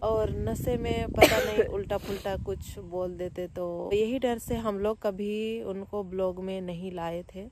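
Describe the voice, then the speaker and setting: A young woman vlogger talking quietly and sadly, standing outdoors near family graves. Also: medium pitch, fairly even intonation, a loud crowd. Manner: subdued, grieving, speaks slowly and softly. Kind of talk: personal vlog talk.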